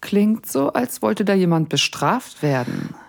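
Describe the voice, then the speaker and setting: A woman's voice: medium pitch, lively intonation, measured pace, creaky. A woman playing a confident, playfully dominant lover in an erotic audio drama. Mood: teasing.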